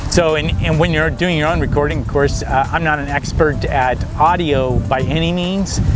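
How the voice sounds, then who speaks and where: A man talks with music in the background. The sound is dry with no echo. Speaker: video creator testing gear. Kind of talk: casual tutorial talk. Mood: relaxed, cheerful. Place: waterside. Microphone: lapel.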